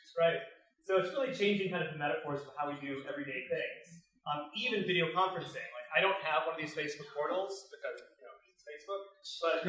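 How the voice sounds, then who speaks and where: With audible room echo, a man at a high pitch talks very fast, with ordinary pitch variation and big swings in loudness. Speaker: tech entrepreneur and speaker. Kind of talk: keynote talk to an audience. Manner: hesitant, many fillers.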